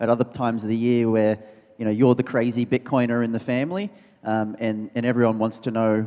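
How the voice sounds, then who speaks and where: At a fairly quick pace, a man speaks at medium pitch with a dark, mellow tone. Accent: Australian. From Australia. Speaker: panel moderator. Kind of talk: conference panel moderation. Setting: stage with audience.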